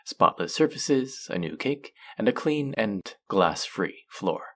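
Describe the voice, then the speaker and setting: A man playing a smug, dominant faerie trickster in an intimate roleplay audio drama, teasing and mock-scolding in a sultry, drawn-out way. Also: lowish voice, sing-song, heavily acted. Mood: smug, commanding.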